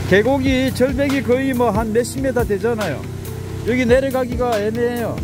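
Man narrating a hike over music. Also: extremely high pitch. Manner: unhurried, explains as he walks, pointing things out. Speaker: hiking vlogger. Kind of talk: casual on-location narration. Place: outdoors on a mountain trail and in a valley.

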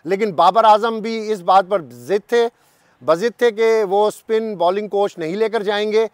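A man's voice: high-pitched, moderate pace, dry recording. A man in his fifties with a Pakistani Urdu accent, a cricket journalist giving emphatic, repetitive commentary straight to camera in a garden. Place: sunny garden outdoors.

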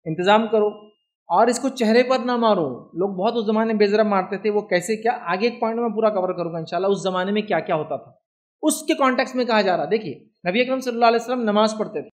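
ऊँची आवाज़ वाला पुरुष धार्मिक वक्ता. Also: male voice, sits high, fast. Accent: Indian Hindi-Urdu. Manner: conversational, keeps asking "do you understand?". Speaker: Islamic lecturer. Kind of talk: religious lecture.

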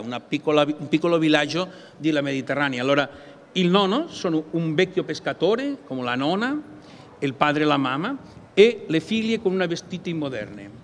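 Halting Catalan-accented man, reverberant amplified sound. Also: on the high side, big pitch swings, slight background noise. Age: middle-aged. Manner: halting, searching for words in non-native Italian. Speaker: conference speaker presenting games. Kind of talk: prepared public presentation. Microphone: gooseneck table microphone.

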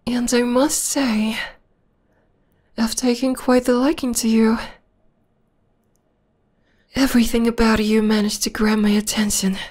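Obsessive young female vampire played by a woman for ASMR roleplay: whispery, slow, tender yet menacing. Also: on the high side, flat delivery, a little mellow. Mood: obsessed, adoring. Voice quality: breathy, whispery. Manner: intimate, slow, lingering delivery. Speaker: voice actor.

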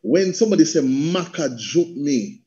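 A man's voice: a little high, normal speed. A middle-aged man with a Jamaican accent talking passionately and rhythmically on a panel video call, slipping into patois. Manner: animated, rhythmic, slips into patois. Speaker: panel guest, theatre practitioner and coach. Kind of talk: passionate conversational talk. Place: indoor room at home on a video call. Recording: dull video call audio.

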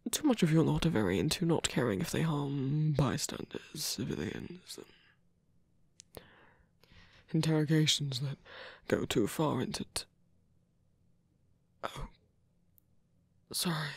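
A man playing a tender, teasing villain in an intimate ASMR roleplay, breathy and hesitant, often dropping to a whisper. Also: a little high, animated, dry recording, heavily acted. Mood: confessional, hesitant. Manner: hesitant, halting, soft-spoken. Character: male villain, tender, teasing, smitten with rescuer. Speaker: voice actor.

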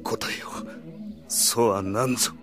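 An actor playing a proud, menacing, defiant enemy warrior with theatrical, declamatory delivery in an anime radio drama. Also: male voice, lowish voice, steady tone, a little slow, echoey room, in a whisper, close to an everyday voice. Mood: grim, defiant. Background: music.

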